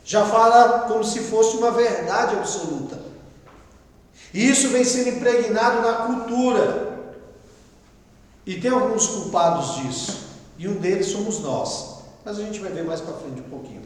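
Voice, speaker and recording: A Brazilian man teaching a Bible class as pastor, reading a text and explaining it in a conversational way with quiet asides. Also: sits high, unhurried, pauses often. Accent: Brazilian Portuguese. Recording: echoey room with long reverb.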